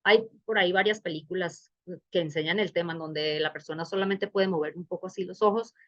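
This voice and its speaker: A woman's voice: lowish voice, fairly even intonation, fairly quick, lo-fi sound. A middle-aged woman with a Colombian accent, giving a bioethics lecture in a webinar in a conversational, engaged way that poses questions to the audience. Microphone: video call.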